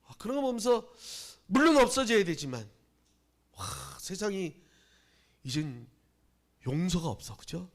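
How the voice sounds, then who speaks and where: A male pastor from Gyeongsang with Jeolla dialect habits, preaching a Sunday sermon in a conversational way, full of questions to the listeners and swings between loud and hushed. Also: sits high, sing-song, a little slow, pauses often. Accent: Gyeongsang Korean with Jeolla dialect habits. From Gyeongsang region of Korea. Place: church.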